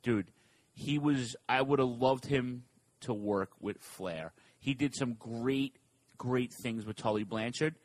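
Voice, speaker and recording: A man in easy, casual talk, voice at an ordinary pitch. He is recorded up close and dry, with little room sound. He reads out questions and then jumps in fast with opinions. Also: no room sound. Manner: animated, fast asides, reads listener questions. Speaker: podcast co-host.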